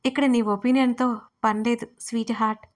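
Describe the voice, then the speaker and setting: Woman reading as a smug bossy young boss, teasing and domineering, storybook romance figure, fairly high voice. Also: steady tone, a little fast, lightly acted.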